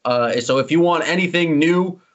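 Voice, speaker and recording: Guy hosting a sports podcast, jokey and teasing, kinda dull lo-fi sound. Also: on the high side. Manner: joking, quick and teasing. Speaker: podcast host. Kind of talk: casual sports podcast chat. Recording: slightly dull lo-fi audio.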